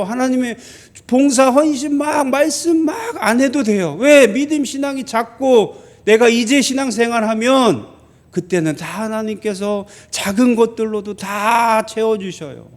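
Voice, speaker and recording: A male pastor preaching a sermon in a church, conversational and full of questions to the congregation. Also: very high-pitched. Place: church sanctuary.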